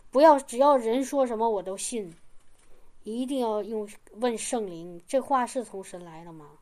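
A woman's voice: fairly high pitch, warm tone. A woman preaching a sermon in an earnest, repetitive way, often asking the congregation if they understand.

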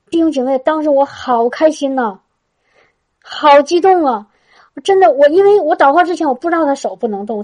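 High-voiced woman giving a church testimony. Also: dark tone. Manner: chatty, with frequent restarts and a tag particle at phrase ends. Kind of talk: testimony storytelling to a congregation.

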